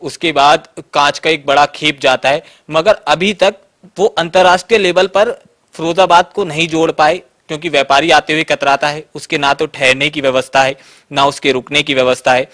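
A man's voice: a little high, steady tone, moderate pace, a bit bright. A man with a Western Uttar Pradesh Hindi accent, a reporter asking long interview questions with "uh" fillers.

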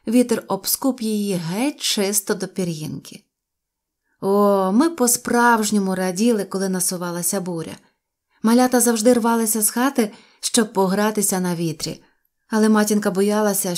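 Woman reading a storybook aloud. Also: medium pitch. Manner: lively expressive reading. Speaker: audiobook narrator. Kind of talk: storybook narration.

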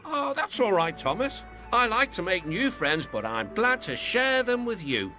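A man voicing a friendly, kind male bus in a storybook reading, with warm kindly talk. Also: high-pitched, big pitch swings, unhurried, voice pushed up, exaggerated voice. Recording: music playing behind.

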